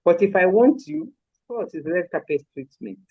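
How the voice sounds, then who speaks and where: A woman's voice: fairly low pitch, big pitch swings, normal speed, creaky, slightly rough, no echo, muffled recording. An older woman from Lagos with a Nigerian accent, a guest in a live interview who talks about raising her children in an emphatic, firm way. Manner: emphatic, firm, repeats points with force. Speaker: guest, mother and grandmother.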